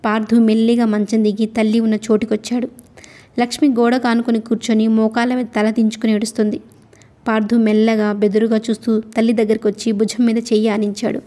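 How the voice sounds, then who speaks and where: Mellow-voiced woman narrating a story. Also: a little high. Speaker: audiobook narrator. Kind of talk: scripted narration of a novel.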